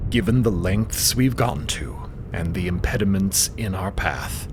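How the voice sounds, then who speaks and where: Man playing low-voiced, driven expedition scientist. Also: animated, unhurried, noisy background. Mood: grave, formal. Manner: formal, precise wording. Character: driven male expedition scientist, formal, impatient, obsessive.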